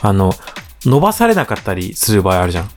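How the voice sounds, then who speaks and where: A man co-hosting a casual podcast chat with a light Hokkaido accent, playful and quick to laugh. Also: fairly low pitch, soft background music. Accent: Hokkaido Japanese. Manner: playful, laughs often, animated. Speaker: podcast co-host.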